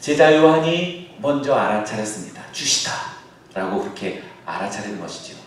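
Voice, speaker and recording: A man's voice: medium pitch, big pitch swings, moderate pace, distant mic. Man preaching in a church, voice rises and falls a lot, big echoey hall, faint noise in the background. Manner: acts out shouted calls across the water, then drops to a soft aside. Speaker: pastor. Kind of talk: sermon. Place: church sanctuary.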